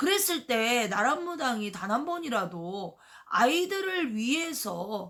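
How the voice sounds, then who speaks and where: Very slowly, a woman speaks in a bright, sharp tone with very wide pitch swings. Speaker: shaman. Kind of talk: casual vlog talk.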